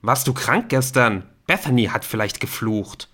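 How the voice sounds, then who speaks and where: A man voicing a confident, sharp-tongued teenage boy in an audiobook reading. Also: medium pitch, expressive, moderate pace. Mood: wry. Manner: wry, challenging.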